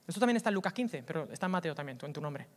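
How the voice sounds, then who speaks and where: A man with a Valencian Spanish accent, preaching a lively, colloquial sermon that swings from loud outbursts to hushed asides. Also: a little high, racing. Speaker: pastor.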